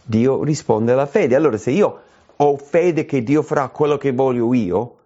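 A man preaching a sermon, his voice leaping high when he acts out quoted cries. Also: moderate pace, mellow. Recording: dull lo-fi recording.

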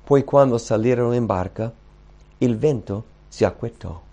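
A man preaching a sermon in animated storytelling style, acting out Bible scenes and repeating key phrases for emphasis. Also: medium pitch, moderate pace, highs cut off.

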